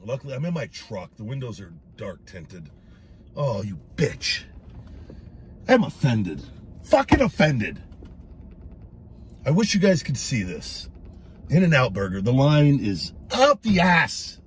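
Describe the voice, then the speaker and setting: A man's voice: medium pitch, huge pitch swings, slow, long pauses, a little hiss or hum. Crude self-mocking man vlogging from his truck. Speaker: vlogger doing a food review. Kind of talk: casual profane car vlog. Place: inside a parked truck.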